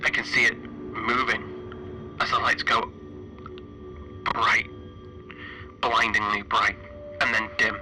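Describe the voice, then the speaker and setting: A man playing an anxious, isolated spaceship engineer recording log entries, halting and stammering, his phrases trailing off breathily. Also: on the low side, flat delivery, sharp tone, faint music behind, heavily acted, poor audio. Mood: haunted, uneasy. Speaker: player of a solo tabletop horror game. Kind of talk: in-character audio log, dramatic monologue.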